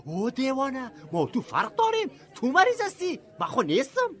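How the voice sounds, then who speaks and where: A man's voice: extremely high pitch, huge pitch swings, fairly bright tone, exaggerated voice. An Afghan-accented male actor playing a cheeky, naive village man in a comic radio drama, chatty and over-polite. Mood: teasing.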